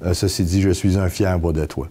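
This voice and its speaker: A middle-aged man with a Quebec French accent, answering interview questions conversationally and haltingly, repeating words as he explains. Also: deep voice, fairly even intonation, warm tone, husky. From Canada (Quebec), Belgian-born. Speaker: town mayor being interviewed. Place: council room.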